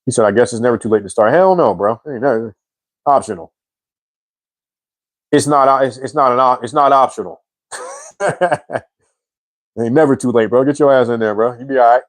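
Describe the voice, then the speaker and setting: Man, 40s, casual live-chat host, mid-pitched, slangy and relaxed, dry sound. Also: moderate pace, pauses often, dry recording. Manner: slangy and relaxed, says bro and man a lot; reads viewer comments aloud and answers.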